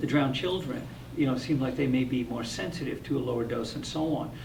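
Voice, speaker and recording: A man with a fairly high pitch and ordinary pitch variation at a fairly quick pace, amid noticeable background noise and audible room echo. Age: 60s. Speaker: physician and hyperbaric medicine expert. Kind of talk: interview.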